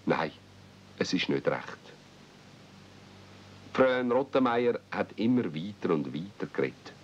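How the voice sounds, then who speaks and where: A man's voice: big pitch swings, measured pace. A man with a Swiss German accent narrating a children's radio play as a storyteller. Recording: muffled, noisy old cassette with rumble.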